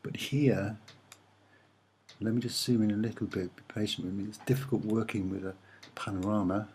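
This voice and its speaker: A soft-spoken man giving a hesitant, musing, rambling commentary on images as an amateur presenter. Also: lowish voice, fairly even intonation, moderate pace, a little hiss or hum.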